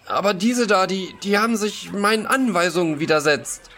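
An actor playing a pompous, bullying town bailiff in a German radio play, prone to stammering when challenged. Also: male voice, high voice, normal speed, pushed and bright, slight background noise. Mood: flustered, defensive.

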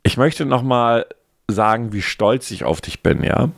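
A man's voice: mid-range voice, animated, unhurried, gravelly, no room sound, clean studio sound. A man co-hosting a casual podcast, joking and rambling with a self-satisfied tone. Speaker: podcast co-host.

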